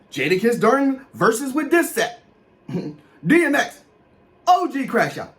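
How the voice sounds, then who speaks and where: High-pitched, animated man, African American English. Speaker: host explaining slang. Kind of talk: comedic explainer, reading out a list with asides. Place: small room with posters, indoors.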